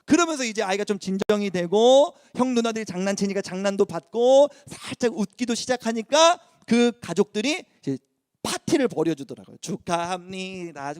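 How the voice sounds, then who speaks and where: A male youth pastor preaching to high school students, telling stories in a conversational, animated way. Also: no room sound, studio quality.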